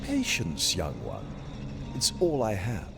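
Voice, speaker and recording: A man's voice: on the low side, huge pitch swings, creaky, over music, full character voice. An actor playing a patient, older exiled physician in a video game, musing and teasing as he sets challenges. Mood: wistful, patient. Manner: slow, musing, teasing, dramatically swooping delivery.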